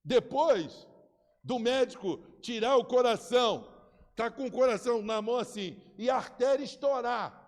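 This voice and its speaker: A Brazilian pastor in his fifties with a Brazilian Portuguese accent, preaching an animated, joking sermon with acted-out voices in a church. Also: very high-pitched, moderate pace. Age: 50s. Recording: long reverb in a large hall.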